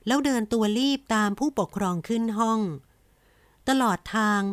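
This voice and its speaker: A woman narrating a romance audiobook in an even, gentle storytelling manner. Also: on the high side, normal speed, no room sound. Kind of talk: scripted romance novel narration.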